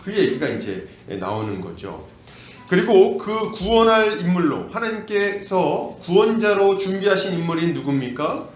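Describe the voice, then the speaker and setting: A man's voice: high-pitched, a little slow, slight background noise. A male pastor preaching an expository sermon and asking the congregation questions, in an echoey church hall. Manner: animated, asks the congregation questions.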